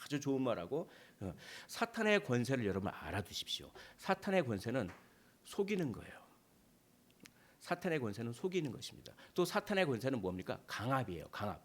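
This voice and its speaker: A man's voice: medium pitch, very animated, fairly quick. A male pastor preaching a sermon in a conversational way, asking rhetorical questions and acting out short dialogues.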